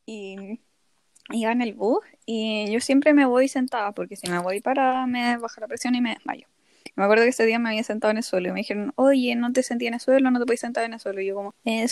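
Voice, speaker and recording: A young Chilean woman telling a story on a casual podcast. Her fairly high voice has a gravelly fry, and she acts out the quotes. The sound is close and dry. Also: no echo. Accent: Chilean Spanish. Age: young adult. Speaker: podcast co-host. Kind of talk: casual chat.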